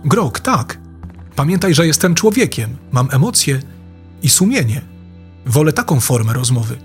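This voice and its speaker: A man's voice: on the high side, big pitch swings, measured pace, faint music behind. A man questioning an AI assistant aloud in casual, probing and insistent speech. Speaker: user questioning an AI.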